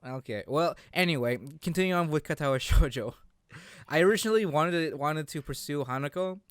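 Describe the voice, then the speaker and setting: Man, podcast host, clean smooth voice, dry close sound, halting casual talk, restarts phrases. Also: fairly high pitch, no room sound. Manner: halting, repeats and rephrases himself. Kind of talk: casual chat about visual novel games.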